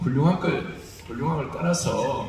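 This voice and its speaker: A man speaks at a fairly high pitch. Audible room echo and noticeable background noise fill the recording. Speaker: pastor. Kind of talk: talk to a gathering of pastors. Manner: speeds up when excited; animated, rhetorical questions.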